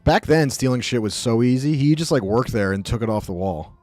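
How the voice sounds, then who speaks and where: A man's voice: medium pitch, expressive, brisk, a little mellow, no echo, soft background music. A man streaming live, chatting casually with viewers, joking and rambling as he reacts to the chat.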